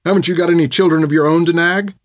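A man voicing a defiant, sharp-tongued teenage girl. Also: fairly high pitch, expressive, slightly rough, no room sound, clean studio sound, pitched above the performer's own voice. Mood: furious. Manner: defiant, quick to insult.

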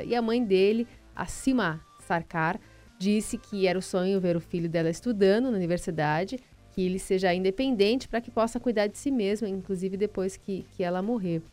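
Woman, Brazilian accent, radio host, friendly and brisk, faint music underneath. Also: medium pitch. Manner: friendly, brisk, sometimes stumbles over names. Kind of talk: news reading with light chat.

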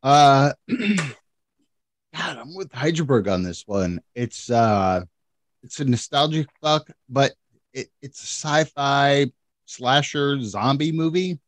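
Animated man, dry close mic. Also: mid-range voice, slow pace, no echo. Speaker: podcast co-host. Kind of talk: casual chat.

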